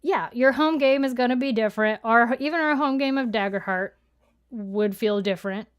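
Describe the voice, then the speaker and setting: A woman's voice: a little high, moderate pace, smooth. A woman co-hosting a podcast livestream, chatting casually about her show. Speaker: podcast co-host.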